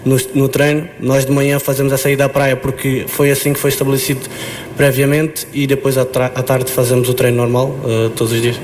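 Young male footballer, monotone, halting answers; slight ambient noise. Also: mid-range voice. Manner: hesitant, frequent restarts and fillers. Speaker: footballer at a press conference. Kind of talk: press conference answers.

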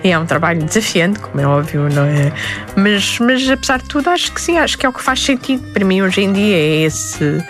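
Woman guest, lively storyteller who laughs a lot, bit of music underneath. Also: medium pitch, a little fast. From Lebanon. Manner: animated storyteller, laughs often, restarts words. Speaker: interview guest. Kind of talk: conversational interview.

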